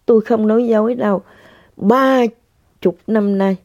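Older woman, dry close voice, unhurried heartfelt testimony. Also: medium pitch, fairly even intonation, darkish tone, no room sound. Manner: earnest, addresses listeners directly, repeats herself. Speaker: spiritual practitioner sharing testimony. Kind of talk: emotional personal testimony. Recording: dull lo-fi sound.

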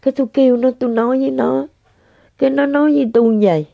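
An older woman giving an emotional, halting spiritual testimony to listeners, often repeating herself. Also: high voice, steady tone, creaky, no echo. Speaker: religious practitioner sharing testimony. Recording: dull lo-fi sound.

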